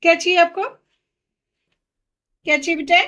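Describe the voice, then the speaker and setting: A woman with a high voice talks casually through a home vlog, peppering her lines with little tag questions. She turns gentle and coaxing when speaking to a child. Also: steady tone, normal speed. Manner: chatty, frequent tag questions. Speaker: vlogger and mother. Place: home kitchen and rooms.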